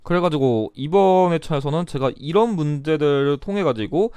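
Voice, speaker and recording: A man's voice: a little high, normal speed, mellow, clear, resonant tone, no room sound. A young man giving a blunt, chatty exam review lecture, still getting over a cold. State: recovering from a cold. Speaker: history exam tutor.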